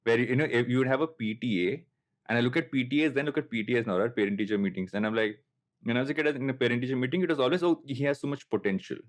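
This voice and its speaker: A man in his late thirties from coastal Andhra Pradesh, India, speaks with a Telugu Indian accent in a mid-range voice at a rapid-fire clip. As a podcast host, he talks casually and reflectively, telling anecdotes with a self-deprecating streak.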